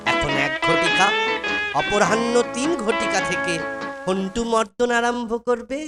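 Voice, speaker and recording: Slow, pompous cartoon guru acted out by a performer. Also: mid-range voice, animated, close to an everyday voice. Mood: pompous, commanding. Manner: pompous, ornate archaic formal speech. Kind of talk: comic cartoon voice acting. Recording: loud background music over the voice.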